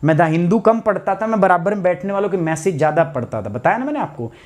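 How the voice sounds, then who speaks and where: A man's voice: high voice, lively intonation, fast, darkish tone. Chatty male teacher. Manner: chatty, anecdotal, addresses students as bhai. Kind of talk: live online class, storytelling aside.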